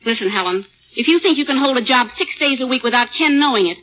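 A sharp-tongued secretary friend in an old radio play. She talks fast and high with a tart, sarcastic edge. The recording is dull and lo-fi. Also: expressive. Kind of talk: 1940s radio acting.

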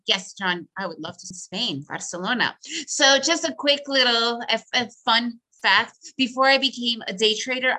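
A bright-voiced woman presents live online in an upbeat, chatty way, with her voice sitting a little high. She grew up speaking Russian and now talks to her audience in easy, friendly English, calling out viewers by name. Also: low-quality recording. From Soviet Union. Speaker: trading presenter.

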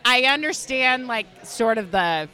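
Bright-voiced woman giving blunt opinions. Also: fairly high pitch, expressive, measured pace, clear, resonant tone, a faint crowd. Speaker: podcast guest. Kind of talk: casual chat.

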